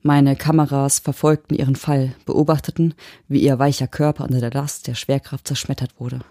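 Woman reading with a mellow voice. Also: extremely low pitch, little pitch movement, moderate pace, no echo, clean studio sound. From Germany. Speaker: audiobook reader. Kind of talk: scripted narration.

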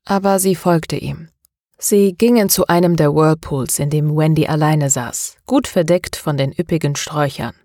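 A woman narrates a novel in a steady, measured way, her voice low. The recording is close and dry, with no room around it. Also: no room sound. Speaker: audiobook narrator. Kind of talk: scripted narration.

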